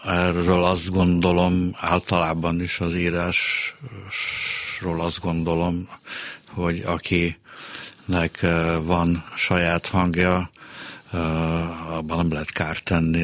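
Male writer guest, deep flat voice, halting, drifts quieter at sentence ends. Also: dry recording. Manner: hesitant, many pauses and fillers, trailing off softly. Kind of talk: radio interview. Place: radio studio.

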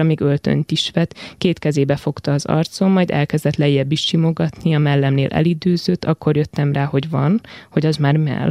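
A man reading a literary text aloud for radio, calm and measured. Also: on the high side, gravelly, no echo, studio quality. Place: radio studio.

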